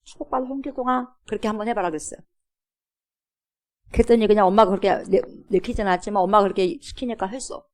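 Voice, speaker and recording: In a church sanctuary, a woman pastor preaches emphatically, repeating "여러분" and posing many rhetorical questions to the congregation. She talks fast yet takes long pauses, and her mid-range voice is steady and a little mellow.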